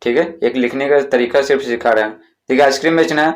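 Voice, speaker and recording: A man's voice: mid-range voice, fast. Man teaching in a chanting way. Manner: chants vendor calls, keeps saying "theek hai". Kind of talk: classroom-style explanation.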